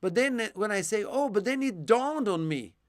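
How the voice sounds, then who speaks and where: A male English teacher explaining vocabulary slowly over a video call, with plenty of ums and restarts. His voice sits a little high and sounds dry and close, and he is starting to lose it. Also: animated, dry recording. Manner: patient explaining, with frequent fillers and restarts. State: losing his voice. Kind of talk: live online one-to-one English lesson.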